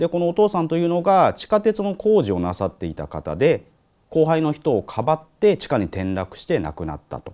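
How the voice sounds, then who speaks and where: A man talks at a fairly quick pace with big swings in loudness. The background is quiet. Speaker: ghost-story teller. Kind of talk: spoken ghost story. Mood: calm, building suspense. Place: studio. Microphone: lapel.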